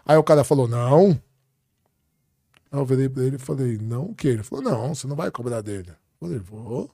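A middle-aged man with a Brazilian Portuguese accent, a podcast guest telling lively family stories in casual talk and acting out the dialogue. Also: mid-range voice, no room sound, studio quality. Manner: animated anecdotes with quoted dialogue. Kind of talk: casual storytelling.

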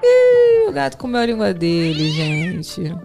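Lively laughing woman hosting a podcast. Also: a little high, unhurried, gravelly, loud music behind the voice. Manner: lively, laughs often, coaxing a toddler. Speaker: podcast host. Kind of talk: playful family podcast chat. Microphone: studio podcast mic.

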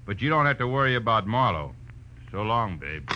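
Sneering radio-drama thug, wildly swooping voice. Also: male voice, fairly low pitch, very animated, a little fast. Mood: agitated. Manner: slangy, taunting, bullying. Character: menacing, sneering tough crook with a gun. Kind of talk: 1940s radio crime acting. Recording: dull, lightly noisy old radio recording.

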